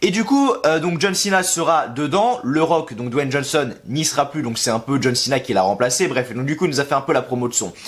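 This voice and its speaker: Over noticeable background noise, a man with a fairly high voice talks in an animated tone with lively intonation, at a fairly quick pace with hardly any pauses. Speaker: YouTuber, wrestling reviewer. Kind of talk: casual video review. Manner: fast.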